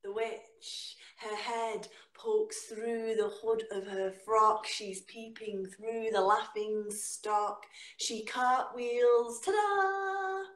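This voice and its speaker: Animated Northern English woman, echoey room. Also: drawn-out words. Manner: lively, dramatic delivery with sudden jumps in pitch. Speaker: guest poet. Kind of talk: spoken word performance and casual chat. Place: home room, indoors. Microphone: video call. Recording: echoey room on a video call.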